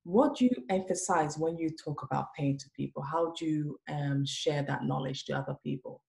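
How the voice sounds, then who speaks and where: A woman hosting an interview show, asking questions in a halting, self-correcting way. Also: deep voice, fairly even intonation, vocal fry, darkish tone. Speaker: host.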